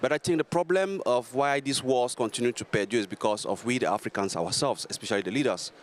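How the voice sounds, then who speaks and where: A man's voice: mid-range voice, fast, a little hiss or hum. Earnest, rambling audience man. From Cameroon. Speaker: audience questioner. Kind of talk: audience question at a forum.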